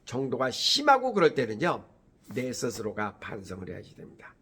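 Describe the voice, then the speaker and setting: A man's voice: medium pitch, moderate pace, a little hiss or hum. A middle-aged man hosting a morning broadcast, talking animatedly and acting out quoted voices. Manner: animated, acts out quoted voices, frequent "예" fillers. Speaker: host.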